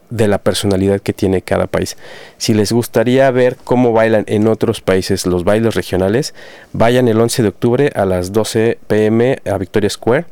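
A man hosts a relaxed community radio chat, talking in a smooth, resonant voice that sits a little low. He is friendly and chatty, filling gaps with hesitations as he announces local events. The sound is dry and close to the microphone. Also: no room sound. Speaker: radio show host.

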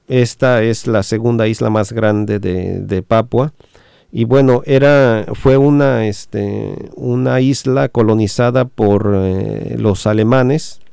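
A man hosting a radio talk, interpreting, halting and full of fillers. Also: medium pitch, gravelly, darkish tone, clear, resonant tone, no room sound, studio quality. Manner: many fillers and restarts, slow and halting.

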